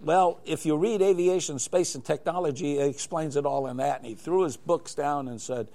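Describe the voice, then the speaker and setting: A man's voice: fairly high pitch, normal speed, warm tone. Rambling older male storyteller. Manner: rambling storyteller with many restarts. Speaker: interview guest, glider flight examiner. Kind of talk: live studio interview, telling anecdotes.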